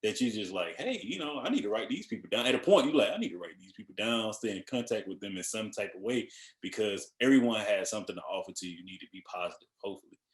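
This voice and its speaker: A man's voice: on the low side, animated, fast talker, reverberant. A man hosting a podcast, asking guests questions in a laid-back, informal way. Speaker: podcast host. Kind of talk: casual interview chat.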